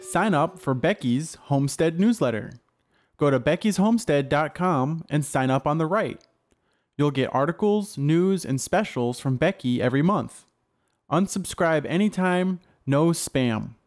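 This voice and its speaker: Slightly high-pitched male announcer. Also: expressive, measured pace, faint music behind. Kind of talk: scripted promotional voice-over.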